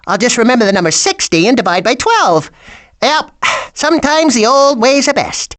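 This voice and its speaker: A woman's voice: a little high, big pitch swings, normal speed. A woman voicing a cocky, scheming small bird in a video game, with a folksy, boastful, know-it-all manner. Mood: confident, scheming. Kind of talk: animated video game character acting.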